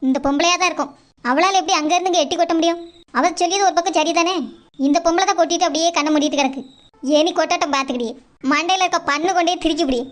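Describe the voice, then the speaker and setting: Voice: extremely high pitch, rapid-fire. A performer voicing a grumbling, suspicious village woman in a cartoon, complaining and accusing in a southern Tamil Nadu accent. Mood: suspicious, annoyed. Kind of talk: Tamil cartoon character dialogue.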